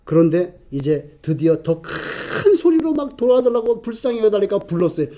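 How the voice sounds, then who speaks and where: A male pastor delivers a sermon with a strikingly high voice. He preaches animatedly, acting out the story and putting rhetorical questions to the congregation. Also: sing-song, normal speed, dark tone.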